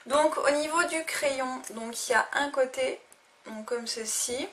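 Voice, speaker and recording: A woman's voice: sits high, a little slow, fairly bright tone. A young woman casually reviewing makeup she bought, talking hesitantly with many fillers and restarts. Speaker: beauty vlogger. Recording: faint noise, a little distant from the mic.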